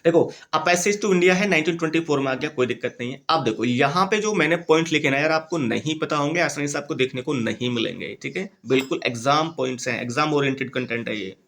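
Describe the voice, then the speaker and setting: A young man teaching English literature for exams in a casual lecture, explaining in Hindi, reading English titles out slowly and repeating key points in a chatty, informal way. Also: a little high, vocal fry, a bit bright. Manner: chatty and informal, keeps addressing listeners as "bhai" and "yaar". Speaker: exam-prep literature teacher. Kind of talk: casual lecture over slides.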